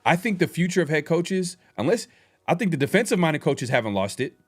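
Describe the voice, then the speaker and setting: A man's voice: a little high, big pitch swings, brisk, faint music behind. A man co-hosting a casual sports talk show, rambling through his points with hedges and skeptical pushback.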